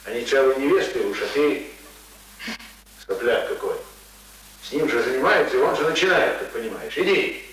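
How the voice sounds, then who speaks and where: An actor playing a gruff, stern village uncle, blunt and threatening in a radio play. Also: male voice, medium pitch, expressive, moderate pace, pauses often, a bit bright, natural voice. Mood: stern, scolding. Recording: echoey, distant, noisy radio play recording.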